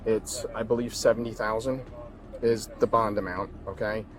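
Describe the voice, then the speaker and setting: A male police officer explaining things casually to someone he is arresting, halting and repeating his phrases as he reassures, picked up on a body camera outdoors. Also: lowish voice, little pitch movement. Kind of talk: casual explanatory talk to a person being arrested. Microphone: body-worn camera. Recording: bodycam audio with vehicle sounds.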